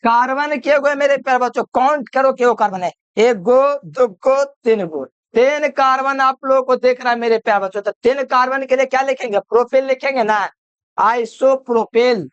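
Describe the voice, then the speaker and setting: A man's voice: very high voice, fairly even intonation, fast talker, few pauses, a bit bright, clear, resonant tone, no echo, highs cut off. A man giving a chemistry video lecture, repeating each point and quizzing the listener with call-and-answer questions. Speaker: chemistry teacher. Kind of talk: classroom-style video lecture.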